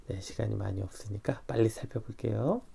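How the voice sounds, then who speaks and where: A man preaching a morning devotional sermon, animated and full of rhetorical questions. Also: lowish voice, brisk, creaky, slightly rough. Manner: animated, acts out quoted dialogue, rhetorical questions. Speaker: pastor.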